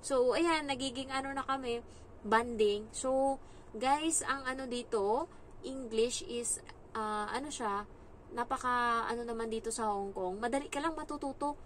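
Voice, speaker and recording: A young woman from the Philippines, a domestic helper, chatting on her vlog and giving advice in a lively storytelling way, acting out other people's lines. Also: fairly high pitch, measured pace, a little hiss or hum, rough recording. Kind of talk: casual advice chat. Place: employer's home abroad.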